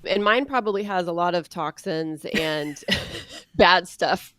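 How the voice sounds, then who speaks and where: A woman's voice: on the low side, slow, a bit bright, no room sound. A middle-aged woman co-hosting a podcast, introducing a guest with enthusiasm. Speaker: podcast co-host. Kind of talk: casual chat, introducing a guest.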